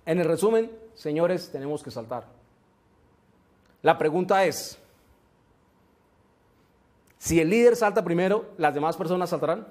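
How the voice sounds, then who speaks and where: A man giving a motivational seminar talk, slow and emphatic, often asking rhetorical questions. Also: high voice, a little mellow. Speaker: motivational speaker.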